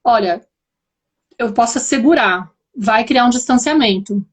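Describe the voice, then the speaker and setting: A woman's voice: a little high, unhurried, breathy edge. A woman with a Brazilian accent hosting a live video chat, explaining her points in a thoughtful way. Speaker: host.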